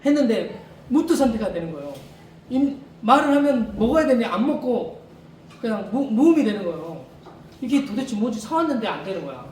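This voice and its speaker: A man whose voice sits high and is a little mellow preaches an informal sermon as a missionary in a church during a service. He talks conversationally, repeats rhetorical questions, chuckles, and restarts sentences, and the room is echoey with a far mic and faint noise.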